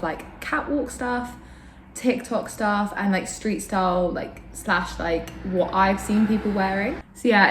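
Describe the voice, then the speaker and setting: A woman vlogger with a slight sore throat chats casually to camera about her opinions, informal and self-deprecating. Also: mid-range voice. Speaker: vlogger and host. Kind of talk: casual fashion chat to camera. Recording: roomy echo, clear background noise.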